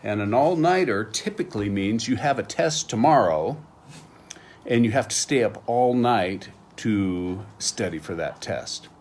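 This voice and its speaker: Casting: middle-aged American male teacher, low voice, slow patient delivery, faint noise. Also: expressive, darkish tone. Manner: slow, patient explaining with examples. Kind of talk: slang lesson.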